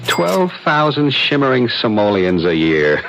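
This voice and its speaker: An actor playing a bitter, hard-drinking black-sheep brother in a radio drama, with sardonic, flowery, theatrical delivery. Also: male voice, medium pitch, gravelly, a bit bright, a little hiss or hum, exaggerated voice. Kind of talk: old-time radio drama acting. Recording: dull, lo-fi radio drama recording.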